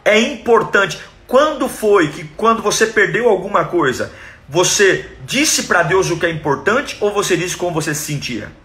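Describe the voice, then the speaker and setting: Brazilian male preacher, high and bright, emphatic sermon delivery. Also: lively intonation, normal speed. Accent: Brazilian Portuguese. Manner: emphatic, acts out quoted cries dramatically.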